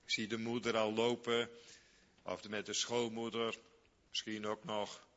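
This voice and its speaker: A man preaching a sermon slowly and emphatically, repeating phrases and swinging from loud high outbursts to quiet low asides. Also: level tone. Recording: dull lo-fi recording in a reverberant hall.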